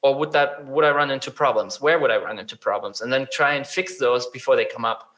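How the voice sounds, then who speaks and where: A man's voice: medium pitch, a little fast, fairly bright tone. A man in casual conversation, explaining ideas through examples, hesitant with frequent fillers and restarts. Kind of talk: casual conversation about chatbot design.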